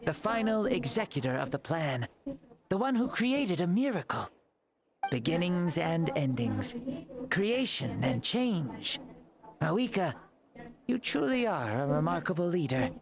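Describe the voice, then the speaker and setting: A woman's voice: deep voice, big pitch swings, measured pace, gravelly, crowd noise, exaggerated voice. Woman voicing a playful ancient fire god in a boy's body. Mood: solemn. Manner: jovial, rambling, teasing. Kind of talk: video game dialogue. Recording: game music underneath.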